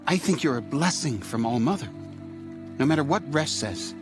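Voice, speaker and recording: A young man playing a gentle, timid, admiring tribal tailor in a video game, with an earnest, hesitant delivery. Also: medium pitch, animated, normal speed, natural voice. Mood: hesitant, devoted. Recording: faint music behind the voice.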